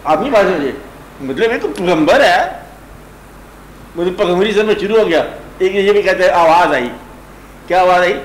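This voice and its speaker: A man's voice: high voice, animated, pauses often, a little hiss or hum. Man giving an echoey spiritual talk. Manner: keeps checking if listeners have understood. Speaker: spiritual teacher addressing a gathering. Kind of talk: religious discourse, conversational storytelling. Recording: echoey room with faint ambience.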